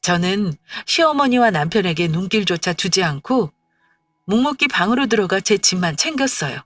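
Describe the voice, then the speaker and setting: A woman reading a scripted first-person story as narrator, in a lowered, aggrieved, confiding tone. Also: sing-song, moderate pace, a bit bright, faint music behind.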